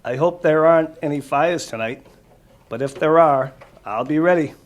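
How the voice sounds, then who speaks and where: A man's voice: a little high, normal speed. A man reading a picture book aloud to children as a firefighter, with casual asides and simple explanations. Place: room with a small audience of children. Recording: noisy live room recording.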